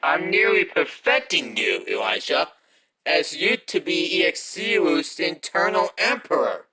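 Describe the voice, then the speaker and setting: An actor playing a menacing, taunting demon villain with a theatrical, grandiose delivery in fan cartoon cutscenes. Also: male voice, on the high side, sing-song, unhurried, gravelly, pushed and bright, heavily acted. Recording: roomy, long reverb.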